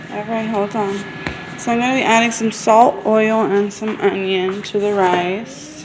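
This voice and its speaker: The voice moves at a fairly slow pace with ordinary pitch variation, over noticeable background noise. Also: woman. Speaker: parent vlogger. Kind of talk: casual vlog chat. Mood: relaxed, slightly exasperated. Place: kitchen. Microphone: phone near.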